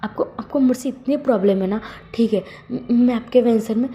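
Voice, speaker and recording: A woman's voice: fairly high pitch, a little fast, dark tone, close to an everyday voice. A woman doing a stammering, tearful young man. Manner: stammering, pleading.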